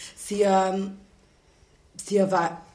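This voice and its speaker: The speech unfolds at a very slow pace. Audible room echo surrounds it. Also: woman. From Brazil. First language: Portuguese (speaking German). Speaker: artist. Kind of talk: radio panel discussion. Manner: halting, many hesitations.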